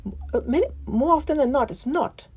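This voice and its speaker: A woman physician giving a radio interview, with a croaky voice from a damaged vocal cord nerve, explaining things calmly with many pauses. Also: high voice. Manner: calm, explanatory, pauses often.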